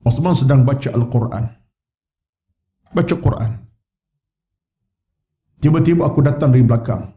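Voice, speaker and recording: A Malaysian Malay man teaches in a mosque, talking at a middle pitch and acting out the voices in his stories. The sound is a bit dull and lo-fi, as if taken from a wireless microphone. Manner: storytelling, acts out quoted voices with rising pitch. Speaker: religious teacher. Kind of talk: mosque lecture.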